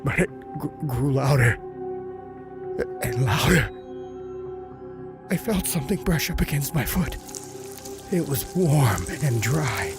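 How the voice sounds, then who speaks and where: An actor playing a terrified male prisoner in a horror audio drama, brooding and halting as he recounts solitary torment and slips into panic. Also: mid-range voice, animated. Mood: haunted dread. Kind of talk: first-person horror audio drama narration. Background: music.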